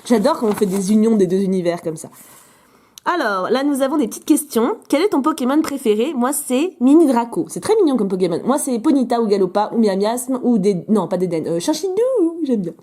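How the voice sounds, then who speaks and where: A woman's voice: mid-range voice, lively intonation, fairly quick, dark tone. Chatty woman, still a bit sick. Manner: chatty, gushing over drawings, interrupts herself. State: recovering from illness, voice a bit rough. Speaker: YouTuber opening fan mail. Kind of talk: casual vlog chat.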